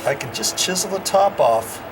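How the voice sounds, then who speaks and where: A man's voice: high-pitched, lively intonation, moderate pace. A man hosting a casual hands-on DIY tutorial, rambling in a folksy way and asking himself questions that he then answers. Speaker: DIY video host. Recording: noisy, tool rasping and scraping sounds.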